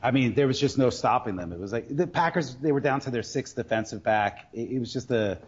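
A man speaks in an average-pitched voice on dull, lo-fi audio. He tells stories casually, often stopping and restarting as he rambles along. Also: expressive, a little fast, husky. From Queens, New York. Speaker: sports bettor guest. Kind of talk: casual storytelling interview.

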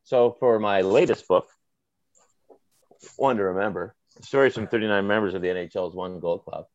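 A man's voice: lowish voice, moderate pace, a little mellow, no room sound, muffled recording. A man with a Maritime Canadian accent chatting about sports as a guest, in an emphatic, colloquial, opinionated way with punchy short phrases. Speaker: author and podcast guest. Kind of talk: animated opinionated sports chat.

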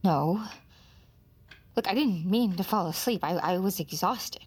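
A woman's voice: mid-range voice, unhurried, slightly rough. A woman playing a frantic mother. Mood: worn down. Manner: strained, pleading, cracking into shouts. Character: frantic young mother searching for her son. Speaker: mother of a missing boy, narrator. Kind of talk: audio drama acting and narration.

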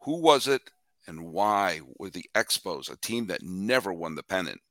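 Animated man hosting a podcast. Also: low voice, moderate pace, no room sound, studio quality. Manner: animated, repeats words while thinking. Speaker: podcast host. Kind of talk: casual podcast chat.

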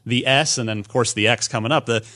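A man with a mid-pitched voice hosts a casual podcast. He talks in a conversational way, like someone leading a panel discussion. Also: fast talker, bright, forceful tone. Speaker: podcast host.

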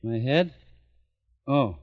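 An actor playing a tough, wisecracking homicide lieutenant who also narrates a 1950s radio drama, in dry, clipped lines. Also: male voice, mid-range voice, animated, extremely slow. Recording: dull old radio recording with music.

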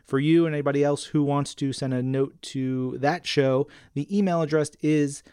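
Higher-pitched man, chatty podcast co-host. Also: steady tone, moderate pace, warm tone, clear, resonant tone, no room sound, studio quality. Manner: enthusiastic, chatty. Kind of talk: casual comics fan podcast talk, reading listener messages.

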